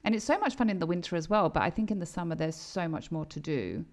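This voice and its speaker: Woman co-host with a low, gravelly voice, lively storyteller. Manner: animated storyteller, quick to laugh. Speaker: podcast co-host. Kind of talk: casual podcast chat.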